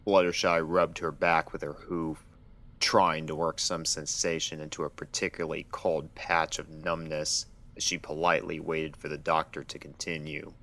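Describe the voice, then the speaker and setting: Man, low pitch, story narrator, scripted fiction reading. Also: little pitch movement, moderate pace, fairly bright tone.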